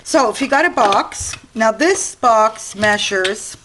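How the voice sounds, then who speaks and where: A woman with an Italian-American accent hosting a casual craft tutorial at her home desk, chatting and explaining as she cuts and works, clearing an itchy throat now and then. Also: on the high side, expressive, slow pace, a bit bright, slight background noise, poor audio. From Sicily. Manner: chatty, explaining while working with hands. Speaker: craft channel host.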